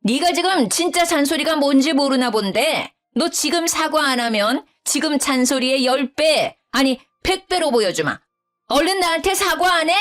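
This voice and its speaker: A woman's voice: high voice, expressive, moderate pace, soft background music, voice pushed up. A woman putting on a bossy scolding mother-in-law. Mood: furious. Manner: scolding, condescending. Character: domineering nagging older mother-in-law.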